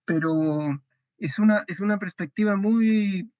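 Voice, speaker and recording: A man hosts the conversation in a notably high voice, thinking out loud with frequent fillers. His sound is dry and close, with no room echo. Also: a little slow, narrow, tinny audio. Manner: thoughtful, with frequent filler words. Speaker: interview host. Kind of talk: conversational interview.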